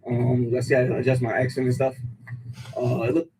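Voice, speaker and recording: A man's voice: mid-range voice, monotone, normal speed, warm tone, low-quality recording. A man vlogging on location outdoors, narrating upbeat into a handheld camera mic as he greets his viewers. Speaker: travel vlogger. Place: outdoors in public places. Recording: vlog clip with clear street ambience.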